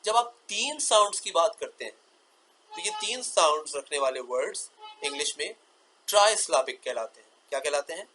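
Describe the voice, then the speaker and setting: A man teaching English grammar in a lecture, repeating key terms as questions and drawing out example words slowly. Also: fairly high pitch, lively intonation, sharp tone, soft background music, rough recording.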